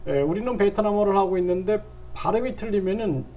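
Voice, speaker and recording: An older man teaching a language lesson, patiently repeating phrases and dropping his voice low on side remarks. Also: quick pace, warm tone, a little hiss or hum. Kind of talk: lecture with repeated drills.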